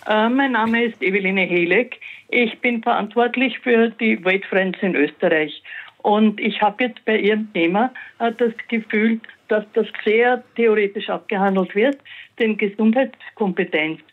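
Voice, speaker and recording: A woman's voice: medium pitch, a little slow. Woman caller, insistent, over a thin phone line. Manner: insistent, opinionated. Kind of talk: call-in comment.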